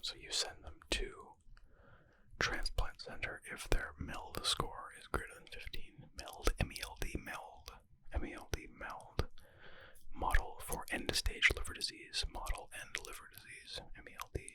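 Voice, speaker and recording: A man whispering in a breathy, unvoiced ASMR style, reading aloud and adding informal, thinking-aloud asides. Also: unhurried. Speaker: ASMR creator reading and answering medical exam questions.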